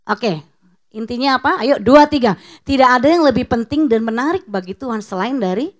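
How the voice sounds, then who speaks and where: High-voiced woman pastor preaching casually. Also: a little fast. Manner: lively, conversational preaching with rhetorical questions; teasing, slips into casual slang. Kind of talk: sermon.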